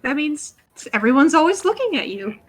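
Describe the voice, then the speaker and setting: Over soft background music, a woman speaks fairly quickly in a high, very animated voice. Streaming a game in casual chat, this experienced player patiently coaches a newcomer, laughing a lot as she gives instructions.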